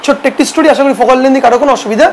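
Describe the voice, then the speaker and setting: A woman's voice: sits high, racing, poor audio. A woman teaching a photography class, lecturing and asking her students questions, then answering them herself.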